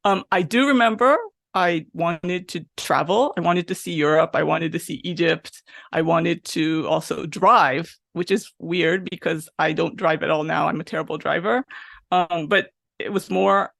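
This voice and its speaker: A woman, a guest answering thoughtfully with soft laughs and frequent pauses. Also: lowish voice, vocal fry, dry recording, clean studio sound. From Japan, raised in Texas. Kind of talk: casual interview chat.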